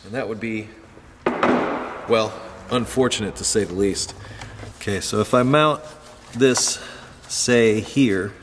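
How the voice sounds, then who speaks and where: A man with a lowish voice casually walks through a car repair step by step, speaking slowly with long pauses while he handles parts. He's relaxed, talking as he works with his hands, and the recording has long reverb and faint background noise.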